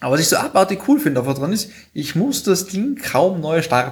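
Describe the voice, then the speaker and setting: A man's somewhat breathy voice at a moderate pace. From Austria, Tyrol. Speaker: software consultant. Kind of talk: technical talk in casual live stream. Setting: live video stream.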